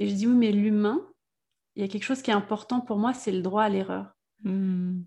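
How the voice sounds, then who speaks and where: Speaking at a medium pitch with a dark, mellow tone, a woman sounds somewhat breathy, keeping fairly even intonation and a fairly quick pace broken by long, frequent pauses. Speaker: podcast guest. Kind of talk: casual interview.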